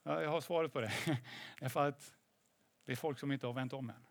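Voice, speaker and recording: A man's voice: medium pitch, fairly even intonation, vocal fry, no room sound. A man preaching a sermon in a conversational way, often asking "eller hur?" and slipping in English phrases.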